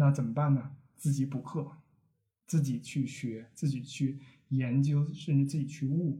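This man has a fairly high pitch and a dark, mellow, somewhat breathy tone. His delivery is monotone and flat, with long, frequent pauses. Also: fairly slow pace. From Beijing, raised abroad from age 12. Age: 30s. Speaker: early retiree, former corporate manager. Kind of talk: interview conversation.

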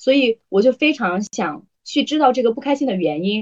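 In an unremarkable speaking voice, a woman talks at a moderate pace with lively intonation, the sound dry and close with no echo. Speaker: student moderator. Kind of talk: interview.

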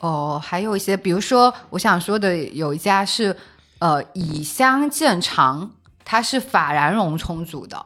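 A woman speaks with a fairly low pitch. Her intonation is lively. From Longyan, Fujian, China. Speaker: coffee shop explorer. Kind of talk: casual chat.

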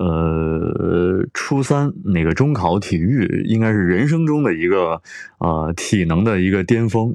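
A man speaks at a fairly slow pace with a very deep, low pitch and very wide pitch swings. The background is quiet. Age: young. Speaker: voice actor. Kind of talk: interview.

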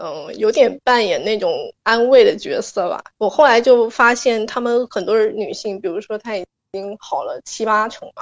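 Loudness swings widely here. The pace stays moderate. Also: woman. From Guangdong, southern China. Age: 20s. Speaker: freelancer recovering from facial paralysis. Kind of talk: podcast interview, personal story.

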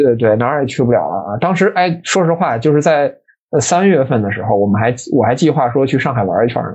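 Lively intonation and a fairly quick pace mark this man's medium-pitched voice. He sounds somewhat breathy. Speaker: podcast host. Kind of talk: casual interview chat.

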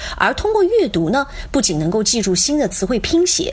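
Amid noticeable background noise, a woman talks at a fairly quick pace with very wide pitch swings. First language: Chinese. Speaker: podcast host. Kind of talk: scripted narration.

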